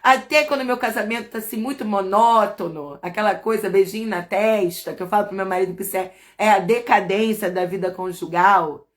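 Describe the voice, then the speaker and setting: A woman's voice: medium pitch, a little fast, hardly any pauses. A middle-aged woman pastor with a Brazilian accent, giving a chatty, playful live church talk to women and asking her listeners questions. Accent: Brazilian Portuguese.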